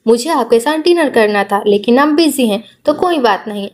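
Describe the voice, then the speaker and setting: A woman's voice: a little high, animated, normal speed, natural voice. A woman voicing a playful young wife who sulks and acts dramatic. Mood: sulky.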